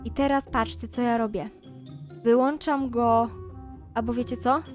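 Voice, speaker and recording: A woman's voice: fairly high pitch, fairly even intonation, measured pace, a little mellow, soft background music. A woman gaming YouTuber narrating a role-play game and chatting to her viewers. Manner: addresses viewers directly, chatty.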